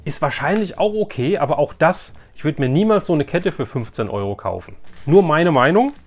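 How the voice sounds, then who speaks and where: A man's voice: on the high side, expressive, fairly quick, darkish tone. A man doing a casual unboxing commentary for viewers, thinking aloud informally and giving frank opinions. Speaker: YouTube host unboxing products.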